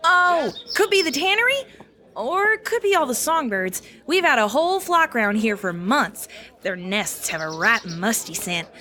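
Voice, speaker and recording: An eager young huntress in a fantasy audio drama. Her voice is high and very animated. She is cheeky, informal and folksy. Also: moderate pace. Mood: friendly, chatty.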